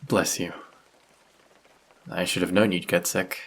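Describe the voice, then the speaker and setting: A man playing a friendly, polite vampire who speaks gently and reassuringly in an intimate roleplay audio drama, with a husky voice. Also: low-pitched, steady tone, measured pace, exaggerated voice. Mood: gentle, earnest. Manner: polite, soft-spoken, reassuring, gently teasing. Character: friendly, courteous male vampire, gentle and caring stranger. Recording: rain sound effects behind the voice.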